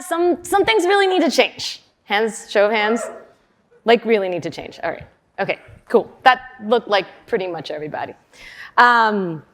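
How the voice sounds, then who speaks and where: A woman in her forties, raised in Western Canada, giving a conference keynote in a chatty way with fillers and laughs. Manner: chatty, with fillers and laughs, lively pitch swings. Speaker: conference speaker. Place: large conference hall.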